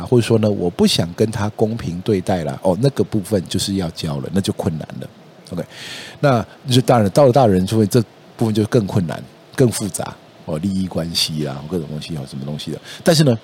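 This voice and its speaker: Man, Taiwanese Mandarin accent, deep-ish voice, podcast host, casual explaining, lively storytelling with fillers. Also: a little hiss or hum. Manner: lively storytelling, acts out quoted voices, many "哦" and "然后呢" fillers.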